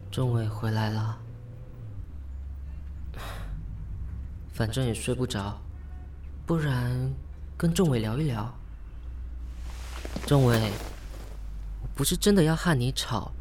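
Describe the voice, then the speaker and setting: A man's voice: medium pitch, darkish tone, slight background noise, lightly acted. An actor playing a hurt, weary young gay man in a Mandarin radio drama, with a Taiwanese accent and an emotive delivery. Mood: soft, tired. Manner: emotive, sighing, swearing. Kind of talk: radio drama acting with inner monologue. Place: studio.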